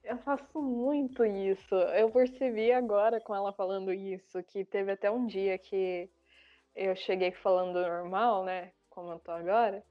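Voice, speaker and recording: A woman's voice: mid-range voice, fairly even intonation, a little slow. Brazilian woman chatting on a podcast, muffled sound. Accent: Brazilian Portuguese. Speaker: podcast panelist. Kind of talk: casual podcast discussion. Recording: dull lo-fi audio.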